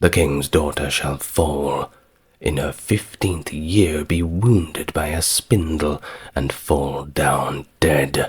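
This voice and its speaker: In a put-on character voice, a man booms at a very slow pace with a very deep, low pitch. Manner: angry, scolding, booming.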